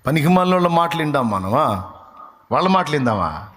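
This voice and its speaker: A man's voice: very animated, brisk, a bit bright. A man preaching a sermon, acting out the voices of scoffers and building to emphatic rhetorical questions. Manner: acts out crowd voices in shifting pitch and volume. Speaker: pastor.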